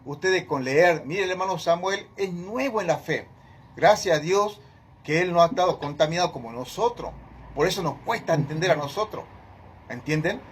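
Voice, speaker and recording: A man's voice: a little high, moderate pace, slight background noise. A man leading a Bible study, teaching emphatically and questioning his listeners directly.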